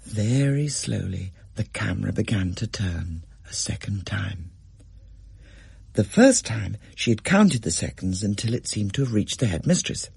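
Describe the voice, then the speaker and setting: A storyteller reading a scripted story aloud, expressive and varied, with a husky voice. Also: low-pitched, a little slow, dry recording.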